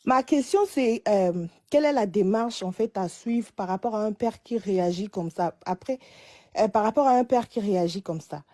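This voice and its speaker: A woman's voice: mid-range voice, normal speed, warm tone. A woman in her late twenties calling in for advice, telling her story hesitantly with many restarts. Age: late 20s. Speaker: caller. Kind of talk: phone-in advice call.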